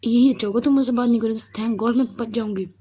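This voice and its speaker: A woman's voice: a little high, steady tone, fast talker, dark tone, husky. Woman doing a curt, strict female teacher. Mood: stern. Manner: curt, scolding.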